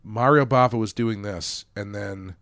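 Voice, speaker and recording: A man's voice: lowish voice, measured pace, vocal fry, a bit bright, dry recording, clean studio sound. A man co-hosting a casual film podcast, rambling with restarts and chuckles. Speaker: podcast co-host.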